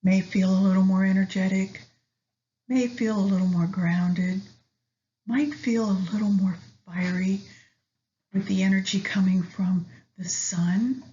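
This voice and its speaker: Slow-paced woman guiding a meditation. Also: mid-range voice. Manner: soft, soothing delivery with long pauses. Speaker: meditation guide. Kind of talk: guided meditation. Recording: slightly dull lo-fi recording.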